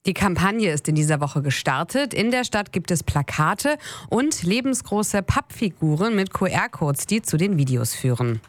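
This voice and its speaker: A woman anchoring a local radio newscast, reading items in an even, measured way. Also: lowish voice, dry recording. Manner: even, measured news delivery. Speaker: news anchor. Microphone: studio mic.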